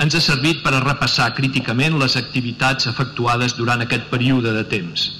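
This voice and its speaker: Light background noise sits behind a man's voice. His intonation is fairly even. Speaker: university secretary reading report. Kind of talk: reading aloud formal report. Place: hall. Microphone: podium.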